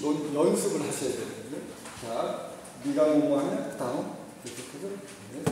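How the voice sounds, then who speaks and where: A male teacher giving a lively lecture to parents, acting out quotes. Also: fairly high pitch. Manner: animated, acts out shouted quotes and leads the audience. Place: school hall. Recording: echoey hall, distant mic, faint noise.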